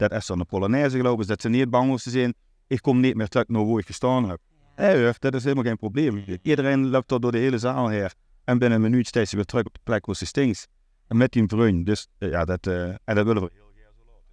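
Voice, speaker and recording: A medium-pitched man at a very fast pace with ordinary pitch variation and big swings in loudness, dry and close with no echo against a quiet background. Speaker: member of local party band. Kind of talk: interview answer.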